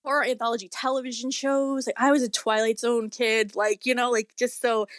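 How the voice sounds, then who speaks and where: A woman in her forties chatting casually as an interview guest, effusive and excitable, often exclaiming. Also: a little high, fairly quick, no echo, clean studio sound. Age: 40s. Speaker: guest horror author.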